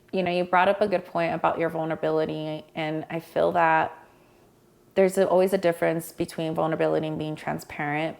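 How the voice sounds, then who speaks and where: A woman's voice: sits low, creaky, a little mellow. A woman speaking candidly and at length in a casual podcast conversation, rambling a little and laughing often.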